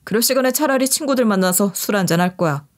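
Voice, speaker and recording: A woman's voice: mid-range voice, animated, fast, close to an everyday voice. A woman voicing a sulky, condescending middle-aged husband who is a doctor, talking in a grumbling, dismissive way.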